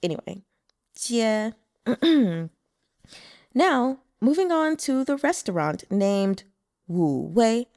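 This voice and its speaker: A woman's voice: on the high side, very animated, extremely slow, long pauses, mellow, no room sound, studio quality. A woman giving casual, chatty commentary as an audiobook narrator, explaining Mandarin terms. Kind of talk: casual commentary between chapters.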